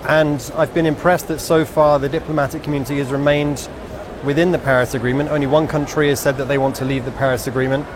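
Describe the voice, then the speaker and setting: A man's voice: mid-range voice, level tone, quick pace, a crowd in the background. A man from the United Kingdom, a summit delegate, explaining his views steadily in a street interview. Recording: outdoor noise.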